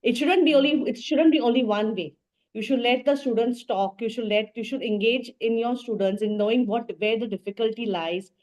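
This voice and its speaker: A language teacher from Goa answers questions as an interview guest, speaking with a Goan Indian English accent and often repeating and rephrasing herself; her first languages are Portuguese and Konkani. Her voice is a little high, brisk and a little mellow, and the audio quality is poor.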